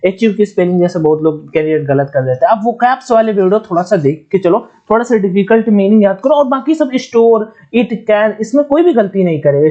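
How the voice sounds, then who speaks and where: A young man teaching an online exam-prep lesson in a casual, chatty way, explaining step by step and dictating words slowly. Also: sits high, mellow. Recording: dull lo-fi audio.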